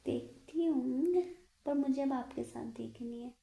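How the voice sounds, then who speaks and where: A woman's voice: high voice, takes it slowly, gravelly, warm tone. A young woman chatting casually and coyly on a romantic phone call, teasing and asking repeated questions. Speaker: fiancée on a call. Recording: echoey phone call recording.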